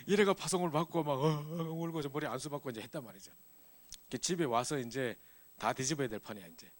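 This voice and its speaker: Fast-talking man preaching a testimony. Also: medium pitch. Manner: animated storytelling, acts out scenes. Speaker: youth ministry preacher. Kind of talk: sermon with personal testimony.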